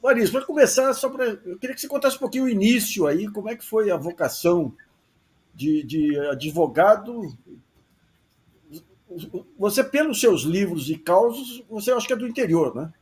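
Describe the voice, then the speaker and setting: Casting note: male journalist host, halting and repetitive, fairly high voice. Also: animated. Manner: hesitant, repeats small words, many fillers. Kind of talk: interview questions.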